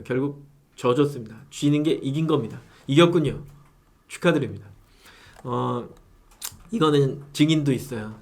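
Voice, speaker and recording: A man who teaches online sellers, lecturing casually and often adding tag questions for agreement. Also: mid-range voice. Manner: chatty, rhetorical tag questions. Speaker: seller education instructor.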